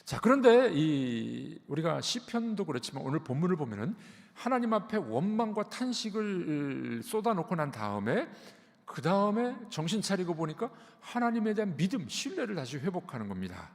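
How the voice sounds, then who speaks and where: A man preaches a sermon in a church, explaining patiently and repeating his key words. His fairly high voice is gravelly and swings widely in pitch. A long hall reverb trails after each phrase. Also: very animated, moderate pace. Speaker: pastor. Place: church sanctuary.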